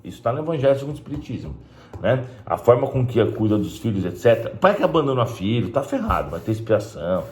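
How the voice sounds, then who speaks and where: A man's voice: medium pitch, big pitch swings, quick pace, a little mellow. A man giving a blunt, emphatic casual talk to camera as a spiritist video host. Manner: blunt and emphatic, with frequent "né?" asides. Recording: roomy echo.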